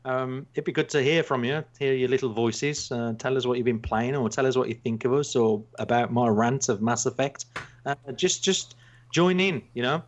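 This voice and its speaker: Man, Black Country accent, mid-pitched voice, rambling and jokey podcast host, slightly dull recording. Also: normal speed. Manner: rambling, self-mocking, jokey. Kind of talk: casual podcast chat.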